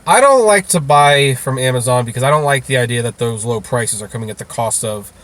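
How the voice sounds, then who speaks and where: Guy in a casual interview, average pitch, explains stuff, kinda halting. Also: lively intonation, fairly bright tone, a little hiss or hum. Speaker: interview guest, rideshare video creator.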